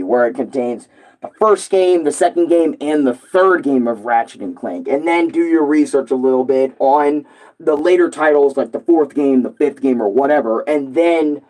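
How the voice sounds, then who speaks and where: Hoarse young man ranting casually. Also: medium pitch, expressive, normal speed, dark tone, rough recording. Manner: loose, profane, rambling with many fillers. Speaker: gaming streamer. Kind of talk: casual rant to viewers.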